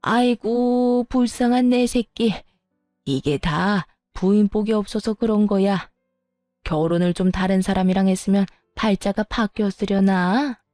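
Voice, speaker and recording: A scheming older mother-in-law who wails for pity and then scolds, as a woman storyteller puts her on. She has a warm, mellow tone and drawn-out complaints. The sound is dry and close. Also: medium pitch, no echo, soft background music, lightly acted. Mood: whining. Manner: whining, scolding. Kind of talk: storytelling dialogue.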